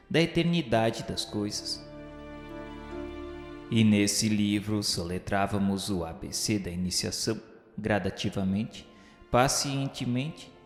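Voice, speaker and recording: A Brazilian man playing a repentant spirit who narrates a radio serial, solemn, fervent and awestruck, declaiming in grand literary style with dramatic pauses. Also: fairly low pitch, lightly acted. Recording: echoey hall reverb over music. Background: music.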